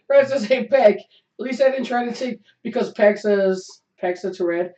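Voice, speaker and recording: Hoarse joking man, echoey lo-fi webcast. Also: high voice, moderate pace, mellow. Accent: Chicago. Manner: joking, teasing banter. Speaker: podcast co-host. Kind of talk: casual chat. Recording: echoey room, dull lo-fi sound.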